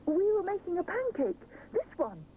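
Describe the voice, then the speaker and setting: A woman voicing an excitable young boy bear in a children's story. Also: extremely high pitch, normal speed, narrow, tinny audio, a little hiss or hum, voice pushed up. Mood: excited. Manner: eager, excited.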